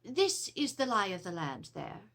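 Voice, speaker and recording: A woman's voice: mid-range voice, moderate pace. A middle-aged woman playing an Edwardian English lady, formally and theatrically reading out her letter about a haunted household. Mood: grave, uneasy. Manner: formal, theatrical, expressive storytelling. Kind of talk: dramatic reading of a period letter. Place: small room with draped cloth backdrop.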